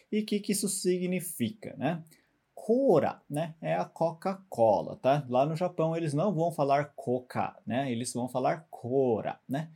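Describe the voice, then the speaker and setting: A man's voice: a little high, mellow. A man teaching a Japanese lesson, patiently repeating example sentences. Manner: patient, repeats phrases for the student.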